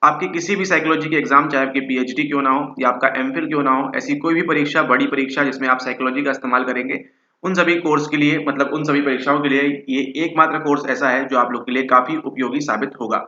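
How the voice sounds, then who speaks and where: Man, psychology teacher, course pitch, tense bright voice, roomy dull recording. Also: fast talker. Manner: keeps adding "ठीक है" and "है ना"; mixes English words into Hindi. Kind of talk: course promotion talk.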